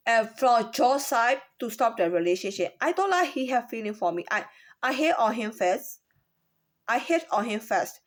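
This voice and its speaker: A woman who used to work in a store describes her workplace complaint in a fairly high voice with a Chinese accent. She stumbles along, restarting and repeating herself, and frequently stops to ask rhetorical questions.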